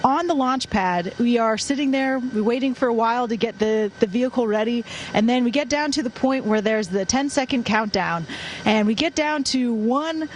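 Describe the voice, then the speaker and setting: A fairly high female voice with a faint steady hum behind it. She is an astronaut giving upbeat, conversational answers off the cuff. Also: moderate pace. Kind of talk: unscripted answers to questions. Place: aboard a space station.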